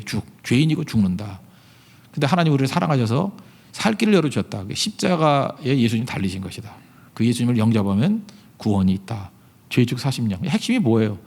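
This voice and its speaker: A middle-aged male pastor preaches in an emphatic, questioning style. His pitch swings widely as he presses each point home. His voice rings with the long reverb of a large church hall. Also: darkish tone. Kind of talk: sermon.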